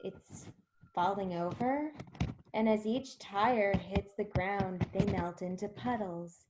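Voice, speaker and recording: Over noticeable hiss and clicks, a woman performs a theatrical phony psychic for a comedy infomercial. She speaks slowly and portentously, with dramatic pauses. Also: medium pitch, lightly acted. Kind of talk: parody infomercial, comedy sketch. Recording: clear background noise with clicks.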